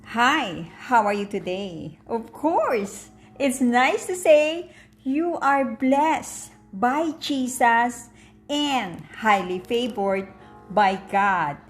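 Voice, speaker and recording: A woman's voice: on the high side, lively intonation, drawn-out words, soft background music. A woman with a Filipino accent chatting casually to her viewers as a vlogger, often repeating words for emphasis. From Philippines.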